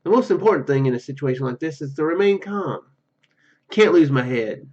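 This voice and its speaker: A man with a fairly high voice plays a story game for his viewers. He reads the narration aloud, tripping over words and dropping in casual comments. The microphone sound is a little dull. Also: lively intonation, brisk, a little mellow. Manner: stumbles over words while reading. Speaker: gaming video host.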